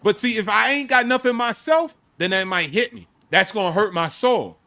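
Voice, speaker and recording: A man hosting a casual talk show, telling boastful stories in slangy, animated speech. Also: high-pitched, moderate pace, creaky. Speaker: host. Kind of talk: casual storytelling chat.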